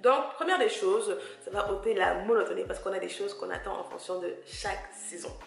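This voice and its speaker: Woman podcaster, gravelly edge, roomy sound. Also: medium pitch, a little fast. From grew up in Cameroon, living in France. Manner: conversational, hesitant searching for words, addresses listener directly. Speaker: podcast host. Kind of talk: casual solo podcast talk, encouraging advice.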